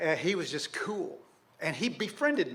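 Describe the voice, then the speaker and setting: At a fairly slow pace, a man speaks in a bright, sharp tone with audible room echo. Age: 60s. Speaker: pastor. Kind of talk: sermon. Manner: casual.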